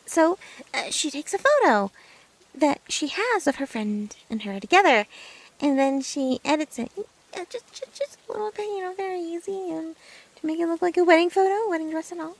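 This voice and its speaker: A woman playing a nervous, lovesick and obsessive young female best friend in an ASMR roleplay, stammering haltingly as if confessing. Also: extremely high pitch, animated, rough recording. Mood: flustered, dreamy.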